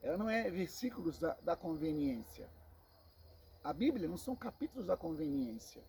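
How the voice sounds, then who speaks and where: A Brazilian man with a Brazilian Portuguese accent teaching a Bible sermon, slow and emphatic, repeating phrases and calling listeners brothers. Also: sits high, lively intonation, gravelly, dark tone, slight background noise. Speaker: preacher.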